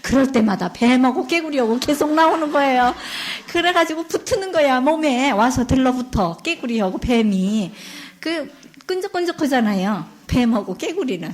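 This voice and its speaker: Lively storytelling nun, high voice. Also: female voice, moderate pace. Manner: lively, chatty, asks listeners questions. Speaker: nun lecturer. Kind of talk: Bible lecture storytelling.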